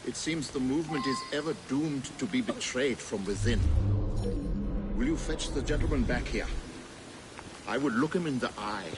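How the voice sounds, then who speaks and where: An actor playing a polite, formal Victorian union organizer, recorded as game audio with loud ambient noise. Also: male voice, medium pitch, normal speed, pauses often, loud music behind the voice, close to an everyday voice. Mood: calm.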